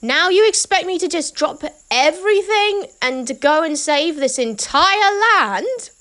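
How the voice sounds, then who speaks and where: Girl-ish lady doing a hesitant young princess, lively swoopy pitch, slow, sincere, audio drama. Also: exaggerated voice. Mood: upset. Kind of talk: amateur audio drama acting.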